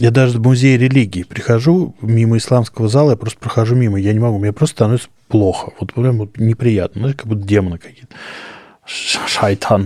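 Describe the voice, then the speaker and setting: At a fairly quick pace, a man with a dark, mellow tone and a medium pitch speaks with big swings in loudness. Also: ordinary pitch variation. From Moscow, Russia. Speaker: podcast co-host discussing films. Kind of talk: casual chat.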